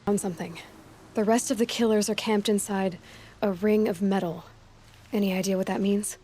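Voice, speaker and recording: A woman's voice: medium pitch, fairly even intonation, normal speed, dark tone, a little hiss or hum, close to an everyday voice. Woman playing a bold young tribal huntress. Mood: wry, decisive. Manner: direct, wry, plain-spoken. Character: bold, independent young female tribal hunter. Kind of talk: naturalistic video game acting. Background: music.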